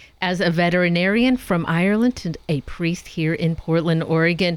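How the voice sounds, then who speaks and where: Speaking at a moderate pace, a woman uses a normal speaking voice at a fairly low pitch. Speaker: radio host. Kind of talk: radio interview.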